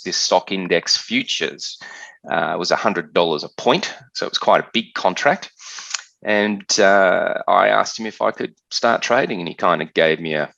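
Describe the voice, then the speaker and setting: A man in his fifties with an Australian accent tells his story at an easy, measured pace. His voice sits very low yet comes across bright and forceful. The recording is dry and sounds dull and lo-fi. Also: vocal fry, no echo. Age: 50s. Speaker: guest trader. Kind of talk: storytelling interview answers.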